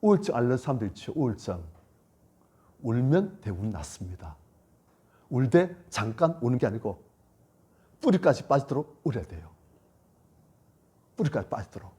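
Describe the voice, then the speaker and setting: Husky, lively-voiced male pastor preaching. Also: medium pitch, normal speed, pauses often. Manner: emphatic and repetitive, swinging between loud and hushed. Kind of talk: sermon at a church retreat.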